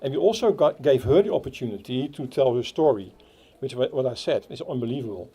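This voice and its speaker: A man with a Dutch accent giving a halting speech at a playground opening, with many fillers and restarts. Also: medium pitch, lively intonation, warm tone, slightly rough. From Netherlands. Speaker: Rotary club speaker. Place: outdoor playground.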